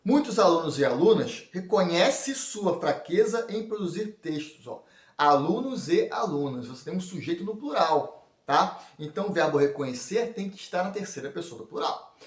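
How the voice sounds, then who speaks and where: A man's voice: high-pitched, expressive, moderate pace, far from the mic. A man with a Brazilian Portuguese accent teaching an exam prep lesson, explaining each point step by step and checking in with his students. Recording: echoey room, voice a bit off mic.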